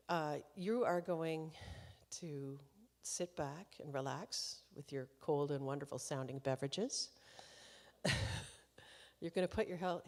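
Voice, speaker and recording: A low-voiced woman emcees a live concert, speaking to the audience in a chatty, easygoing way with frequent laughter. Her voice rings out with a long reverb tail from the concert hall around her. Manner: chatty and warm-hearted, laughing between remarks. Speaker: concert series host. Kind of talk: live stage introduction to an audience.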